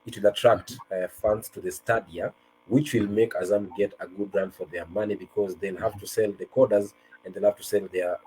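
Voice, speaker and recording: A man's voice: on the low side, flat delivery, normal speed, darkish tone, slight background noise, poor audio. A man with a Kenyan accent hosting a football talk show in a conversational style, switching between two languages. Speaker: sports show host. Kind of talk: conversational football talk show presenting, mixing Swahili and English.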